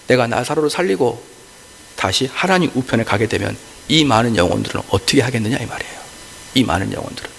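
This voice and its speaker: A man's voice: mid-range voice, vocal fry, slight background noise. A male pastor preaching a sermon in a church, asking rhetorical questions and building to emphatic peaks. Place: church sanctuary. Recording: church hall with long reverb.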